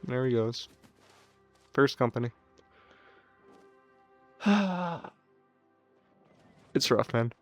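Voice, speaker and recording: A man's voice: medium pitch, expressive, extremely slow, long pauses, faint music behind. A man giving a casual, unscripted farewell commentary on a video game, speaking in a downcast, wistful, resigned way. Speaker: gaming channel streamer.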